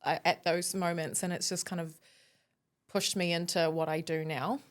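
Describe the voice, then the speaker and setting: A woman's voice: fairly low pitch, flat delivery, moderate pace. A woman, chatting as a podcast guest and laughing often. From New Zealand. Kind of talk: casual interview chat.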